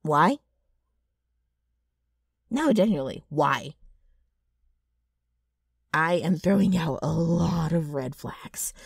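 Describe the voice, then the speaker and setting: A woman playing a brash, mischievous ghoul with a rough, gravelly voice and a wheedling, sardonic manner in an ASMR roleplay. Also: low-pitched, lively intonation, slow pace, pauses often, dry recording, studio quality, exaggerated voice. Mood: baffled, wary. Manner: wheedling, sardonic, drawling with abrupt swings.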